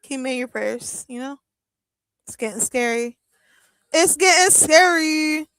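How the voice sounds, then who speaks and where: A woman in her thirties hosts a live watch-along stream, talking casually and playfully with her viewers. Her voice sits a little high, and the sound is close and dry, as if she is right at a desk mic. She keeps up a loose, joking patter full of fillers. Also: expressive, measured pace, fairly bright tone, no room sound, low-quality recording. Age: 30s. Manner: playful, joking, laughs often, lots of fillers. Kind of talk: casual live-stream chat reading comments.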